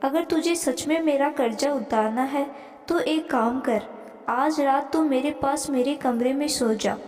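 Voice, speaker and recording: A woman voicing a patient, soft-spoken aging mother. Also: high-pitched, a little slow. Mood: gentle. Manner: gentle, pleading. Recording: echoey room with long reverb.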